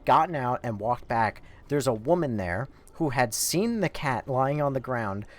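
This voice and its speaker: A man's voice: mid-range voice, lively intonation, measured pace. A man streaming a game, telling a story in a rambling, profane, casual way. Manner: rambling, profane, laid-back.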